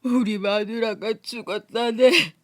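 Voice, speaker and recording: A woman voicing a drunk middle-aged male rickshaw puller who shouts and brags in a rowdy, slurred way. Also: fairly high pitch, expressive, unhurried. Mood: drunken grief.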